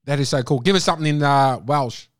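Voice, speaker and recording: A man's voice: mid-range voice, quick pace, dry recording, studio quality. A man hosting a podcast, effusive and piling on superlatives as he introduces and questions his guest. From Australia. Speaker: podcast host. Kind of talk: enthusiastic podcast interview. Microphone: remote call.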